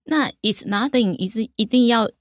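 A woman hosting an English lesson, guiding a casual chat briskly with follow-up questions. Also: fairly high pitch, no echo, studio quality. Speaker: host.

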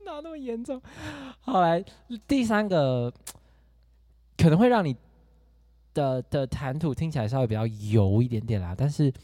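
Male co-host, playful and over-the-top, lively swings, dry close sound. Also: mid-range voice, normal speed, no room sound. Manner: playful, exaggerated delivery. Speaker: podcast co-host. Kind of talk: casual chat.

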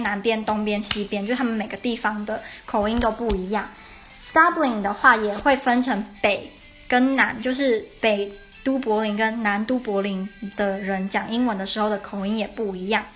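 A young woman with a fairly high, somewhat bright voice hosts a casual podcast lesson, with faint traditional Irish music in the background. She walks through ideas step by step and often corrects herself partway through sentences.

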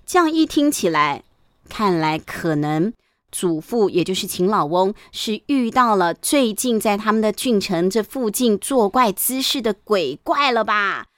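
A woman reading a picture book aloud to children as a bedtime storyteller, lively and chatty, often asking the kids questions. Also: mid-range voice, dry recording, clean studio sound. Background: background music.

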